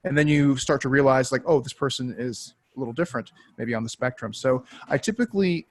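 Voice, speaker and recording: Man, medium pitch, relaxed and rambling, casual webinar co-host, computer mic. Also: fairly quick. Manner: relaxed, rambling, filler-heavy. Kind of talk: casual chat.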